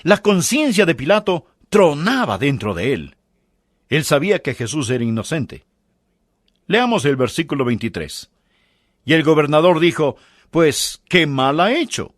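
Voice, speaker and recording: A man's voice: fairly high pitch, very animated, normal speed, no echo, studio quality. A man preaching a sermon, pressing the listeners with emphatic rhetorical questions.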